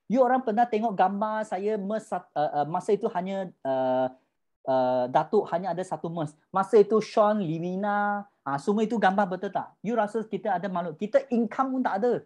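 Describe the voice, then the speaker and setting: A woman gives a motivational business talk in a mellow, warm tone. She speaks emphatically, keeps asking her listeners rhetorical questions and mixes two languages as she goes. Her voice sits at an ordinary pitch for a woman. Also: animated, moderate pace. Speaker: business mentor.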